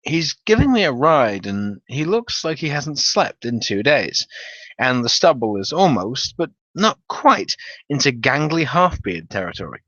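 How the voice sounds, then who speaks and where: A man's voice: mid-range voice, a little slow. A man giving a theatrical, wry dramatic reading of a humorous gaming story as its narrator. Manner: theatrical, animated, wry delivery with profanity. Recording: dull, roomy home recording.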